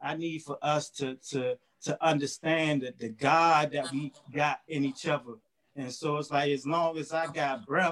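An unremarkable speaking voice: a man with an American accent, fairly high-pitched, at a fairly slow pace. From Washington DC. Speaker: co-host, community organizer. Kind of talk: casual chat.

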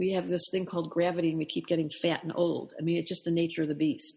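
Using an ordinary speaking voice, a woman with a fairly low pitch talks at a fairly quick pace. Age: 60s. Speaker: astrologer and psychotherapist. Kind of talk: interview.

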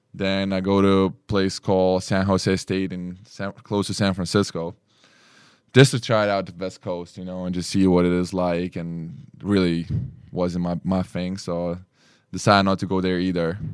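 Over a silent background on a very clean recording, a man with a Lithuanian accent speaks at a moderate pace in a very deep, low, monotone, flat voice. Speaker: college basketball player. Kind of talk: interview.

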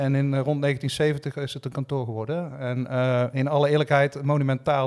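On a very clean recording with a silent background, a man speaks in a flat monotone at a fairly high pitch. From Breda, Netherlands. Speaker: business owner. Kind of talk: interview. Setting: kitchen table at home.

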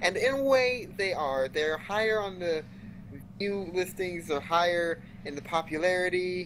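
Noticeable background noise sits under a man speaking at a fairly slow pace, his high pitch showing ordinary pitch variation. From United States. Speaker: gamer and vlogger. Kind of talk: casual chat. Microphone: echoing.

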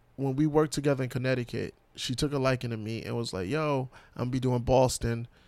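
A man talks at a very fast pace. He speaks with a New York accent. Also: very clean recording, silent background. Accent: New York (Bronx). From New York City, the Bronx. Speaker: comedian and podcaster. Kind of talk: casual chat. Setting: on a couch at the host's home.

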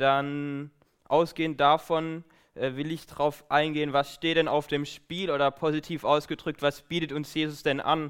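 A man talks with a fairly high pitch. His delivery stays monotone and flat. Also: fairly slow pace. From Baden, southwest Germany. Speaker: lay preacher, student. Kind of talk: sermon. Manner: halting, many fillers.

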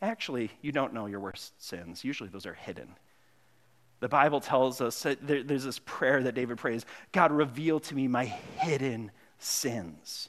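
Against a quiet background, a man with a northern Minnesota accent talks at a moderate pace and medium pitch. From Minnesota (Grand Marais, near Canadian border). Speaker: pastor. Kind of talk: sermon. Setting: church.

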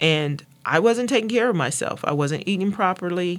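A woman talks at a fairly quick pace with an American accent. Her tone is animated and her intonation lively. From North Carolina and the Bronx, New York. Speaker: state police commander. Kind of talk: interview.

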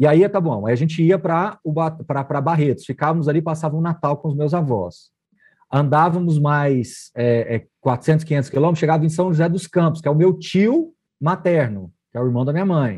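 Against a quiet background, a plain, everyday voice moves at a moderate pace with ordinary pitch variation. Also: man, fairly high pitch for a man. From Brazil, Goiás (Morrinhos). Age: 40s. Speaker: finance educator, real estate fund expert. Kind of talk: interview.

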